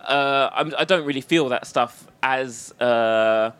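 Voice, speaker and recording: A man's voice: mid-range voice, takes it slowly, fairly bright tone, clear, resonant tone. A male comedian telling rambling, self-deprecating stories in a live interview, often laughing through them. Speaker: comedian guest. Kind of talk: live on-stage interview, storytelling.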